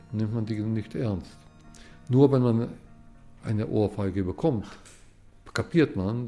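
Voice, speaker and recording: A man in his seventies from Israel, a historian giving measured explanations as an interview guest. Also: fairly low pitch, vocal fry, dark tone. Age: 70s. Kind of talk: casual interview talk.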